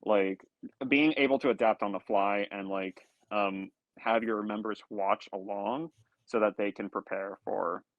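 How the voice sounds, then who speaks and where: Young male student player, lowish voice, dry sound, halting answers with lots of ums. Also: steady tone, no echo, lo-fi sound. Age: young adult. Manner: hesitant, many likes and ums. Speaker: college esports team player. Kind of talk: casual interview answers. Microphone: earbuds or headset on a call.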